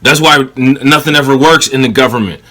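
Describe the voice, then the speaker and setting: A man's voice: mid-range voice, fairly quick, bright, forceful tone. A man hosting a reaction video, cutting into a clip with blunt, profane and sarcastic commentary.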